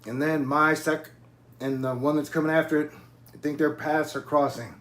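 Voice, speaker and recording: A man's voice: on the high side, fairly even intonation, moderate pace, fairly bright tone. A man in his forties hosting his own channel, talking in a loose, rambling monologue and swearing now and then. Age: 40s. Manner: loose, digressive, swears casually. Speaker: YouTube channel host.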